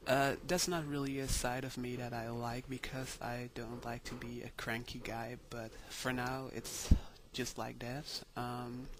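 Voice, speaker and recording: A young man talking slowly in a casual video diary, with many ums and pauses, tired. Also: medium pitch, slight background noise. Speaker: vlogger.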